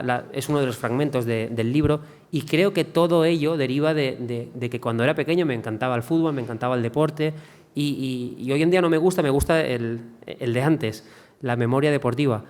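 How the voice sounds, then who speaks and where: A man's voice: mid-range voice, fairly quick, a little mellow. A man speaking as a writer on a panel, in conversational style, often hesitating and restarting his words. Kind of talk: conversation at a cultural talk.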